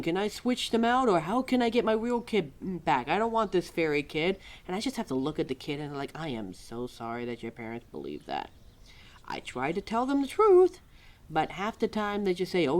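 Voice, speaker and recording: A woman playing an exasperated, opinionated keeper of forgotten lore in an ad-libbed audio roleplay, chatty and sarcastic as she talks straight to the listener. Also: low voice. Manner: sarcastic, chatty, heavy sighs and mimicked quotes.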